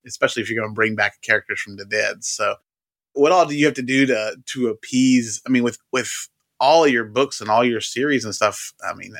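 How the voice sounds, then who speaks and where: A man co-hosting a podcast, asking questions in a relaxed, joking way. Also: mid-range voice, no echo. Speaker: podcast co-host. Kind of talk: casual podcast chat.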